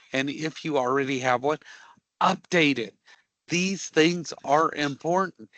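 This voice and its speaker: A man teaching a live career prep class, emphatic and joking, often checking in with a quick "okay?". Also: a little high, fairly bright tone, dry recording.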